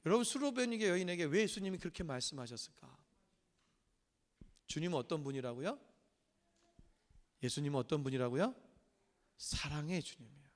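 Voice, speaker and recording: A male pastor preaching a sermon, animated and acting out the voices he quotes. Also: fairly high pitch, brisk, long pauses. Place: church sanctuary. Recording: church hall with long reverb.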